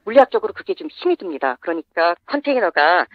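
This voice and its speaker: An anonymous interview guest whose voice is disguised by a voice changer, explaining findings in a steady, methodical way. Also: mid-range voice, fast, no room sound, lo-fi sound.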